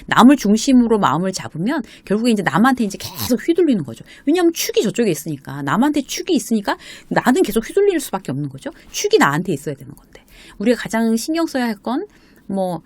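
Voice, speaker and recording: A woman's voice: fairly high pitch, big pitch swings, fast talker, darkish tone. A middle-aged woman lecturer giving casual workplace advice, chatty with many fillers, acting out quoted lines of dialogue.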